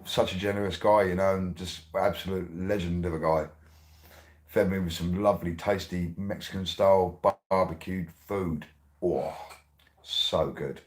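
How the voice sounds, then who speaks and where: Low-voiced excitable man. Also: moderate pace. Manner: excitable, rambling, laughs often, swears. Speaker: radio host. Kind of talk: casual monologue.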